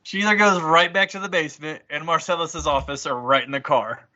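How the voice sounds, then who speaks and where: A man's voice: a little high, fairly quick, dull audio, background noise. A man playing in a tabletop roleplay game, chatting casually and speaking for his character. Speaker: player in a tabletop roleplay podcast.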